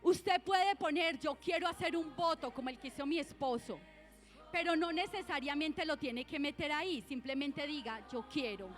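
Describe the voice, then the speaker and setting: A woman's voice: high voice, normal speed, a bit bright, soft background music. A middle-aged woman pastor with a Colombian Spanish accent, preaching a sermon in church, exhorting the congregation and asking them questions.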